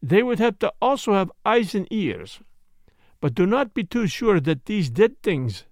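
A man's voice: sits high, big pitch swings, dry recording, studio quality, pitched above the performer's own voice, heavily acted. A man voicing a polite, self-important Belgian detective with a French-speaking Belgian accent and mannered, precise phrasing, in a storybook reading. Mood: musing. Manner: mannered, deliberate, foreign phrasing.

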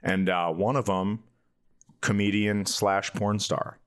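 A man's voice: on the low side, fairly even intonation, slow, smooth. A man co-hosting a comedy podcast, chatting casually and joking at his own expense. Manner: joking, self-deprecating. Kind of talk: casual comic banter.

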